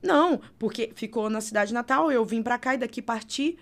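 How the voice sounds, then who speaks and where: A woman pastor with a Brazilian accent, telling her testimony in a podcast interview with expressive, dramatic storytelling. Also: a little high, normal speed. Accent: Brazilian Portuguese. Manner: expressive, dramatic storytelling with vivid reenacted dialogue. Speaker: pastor, guest.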